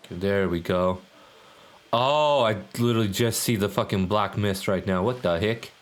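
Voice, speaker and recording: A male streamer with a fairly low voice, talking over his gameplay in a loose, chatty way. He rambles, hesitates and swears casually as he plays. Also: moderate pace, soft background music. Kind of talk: casual live gameplay commentary.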